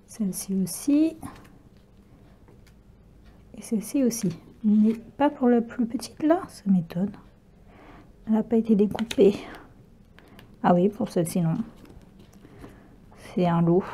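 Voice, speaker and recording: A woman's voice: medium pitch, unhurried, pauses often, dark tone, husky. A woman chatting casually through a craft haul, hesitant and full of fillers, often laughing at herself. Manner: chatty, hesitant, many fillers and self-corrections, laughs easily. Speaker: craft vlogger. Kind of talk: casual unboxing chat.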